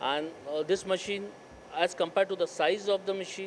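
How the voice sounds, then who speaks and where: A man speaks very fast, his pitch shifting in an ordinary way, with light noise in the background. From India. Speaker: machine tool product head. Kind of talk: technical product explanation. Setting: machine shop facility. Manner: halting. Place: shop. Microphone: handheld.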